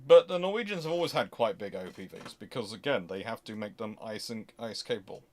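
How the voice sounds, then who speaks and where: A man's voice: lowish voice, animated, brisk. A man hosting an unscripted question-and-answer talk, speaking discursively and working through his thoughts aloud. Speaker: host answering audience questions.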